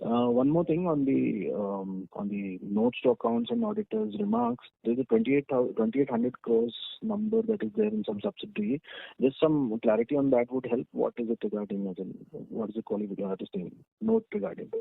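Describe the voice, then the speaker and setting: A man's voice: high-pitched, big pitch swings, normal speed, creaky, breathy edge, no room sound. A man with an Indian accent putting questions as an investment analyst on an earnings call over a phone line. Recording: tinny narrowband phone line.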